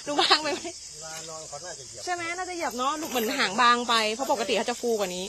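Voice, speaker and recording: A woman with a high voice chats casually while hosting a live stream out in the open, teasing and laughing along the way. Crickets and insects buzz steadily behind her, loud in the recording. She keeps up a playful, chatty commentary. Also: animated, moderate pace, background noise. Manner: chatty and teasing, laughing often, thanking viewers for gifts. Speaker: livestream host. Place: outdoors at an elephant camp.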